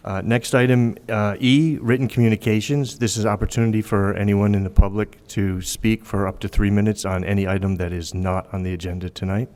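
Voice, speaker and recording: A man's voice: fairly low pitch, flat delivery, brisk, hardly any pauses, darkish tone. A man chairing a city planning meeting, hesitant and apologetic, with many ums. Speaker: commission chair. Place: council chamber.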